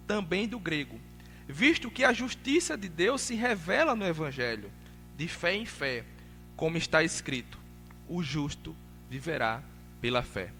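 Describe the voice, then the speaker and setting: A man with a northeastern Brazilian accent from Alagoas preaches in a church, his voice high and bright. He speaks in a friendly, conversational way that builds to emphatic preaching. Long church-hall reverb trails his words. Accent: Alagoas Northeastern Brazilian Portuguese. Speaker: missionary preacher. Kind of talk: sermon. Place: church sanctuary.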